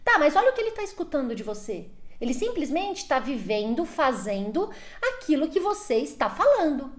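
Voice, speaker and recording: A woman with a Brazilian Portuguese accent speaks in a high, bright register. She delivers parenting advice directly to her audience and leans on rhetorical questions. Her tone is emphatic and insistent. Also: sing-song, moderate pace. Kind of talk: direct-to-camera advice talk.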